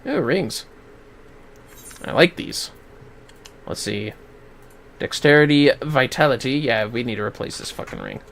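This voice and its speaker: A game streamer chats casually while playing. The talk is irreverent and sweary, often muttered to themself, with lively shifts in pitch. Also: measured pace, vocal fry, pauses often. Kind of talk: casual livestream gameplay commentary.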